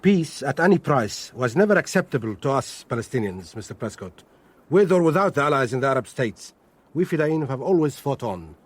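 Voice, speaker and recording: Husky, formal Arab guerrilla commander. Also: male voice, mid-range voice, very animated. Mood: firm. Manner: formal, measured. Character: grave, courteous, unyielding male Palestinian guerrilla commander. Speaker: actor playing a guerrilla leader.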